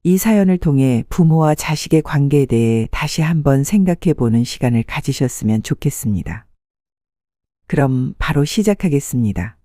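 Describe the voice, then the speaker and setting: A calm, measured narrator hosts an audiobook channel and tells a story in the first person. The tone is mellow and warm, and the recording is dry and close, with no room around it. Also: medium pitch, no room sound.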